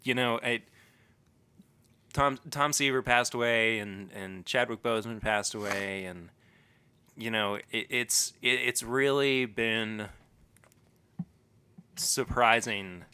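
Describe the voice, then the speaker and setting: A man co-hosting a casual podcast, enthusiastic and quick to restart his sentences. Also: mid-range voice, fairly even intonation, pushed and bright, clean tone. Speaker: podcast co-host. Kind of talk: casual chat.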